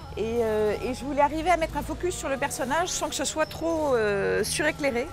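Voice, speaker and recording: Music plays behind a woman speaking at a moderate pace. Her voice is high with lively intonation. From France. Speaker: sculptor. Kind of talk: interview; casual chat. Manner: hesitant.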